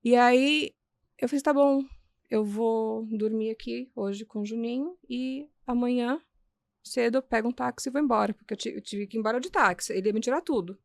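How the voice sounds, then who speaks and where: A woman, a guest on an interview podcast, earnestly recounting events step by step, with frequent restarts and halting repetitions. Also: fairly high pitch, gravelly, dry recording. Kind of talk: personal storytelling in a podcast interview.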